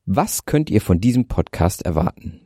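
A man's voice: low voice, sing-song, warm tone, husky, no room sound, studio quality. A man in his twenties with a light north German accent, carefully reading a prepared script as a podcast host. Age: 20s. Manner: careful, deliberate delivery aiming for standard German. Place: in bed under a blanket. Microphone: handheld microphone.

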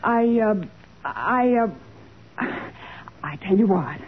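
A woman's voice: medium pitch, lively intonation, slow pace, husky, phone-quality sound. A woman playing a perky young detective's assistant with a pert American delivery in a 1940s radio crime drama. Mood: politely flustered. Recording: scratchy, thin 1940s radio recording.

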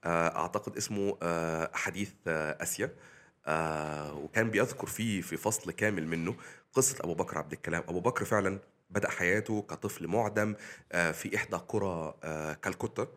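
An Egyptian-accented man talks at a rapid clip in a casual podcast discussion, laying out his argument point by point. His voice sits a little low and he builds his case with figures. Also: fairly bright tone. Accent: Egyptian Arabic. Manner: argumentative, explaining with statistics. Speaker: discussion participant.

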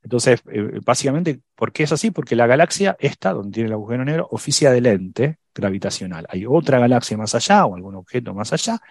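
A man's voice: medium pitch, expressive, fairly quick, creaky, hardly any pauses, a little mellow, no echo, clean studio sound. A man on a science podcast, explaining black holes in casual chat, thinking aloud with fillers and restarts.

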